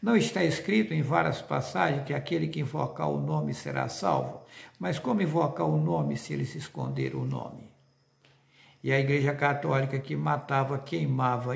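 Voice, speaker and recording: A man's voice: fairly high pitch, vocal fry, reverberant. A man with a Brazilian accent preaching an insistent religious monologue to viewers, full of rhetorical questions.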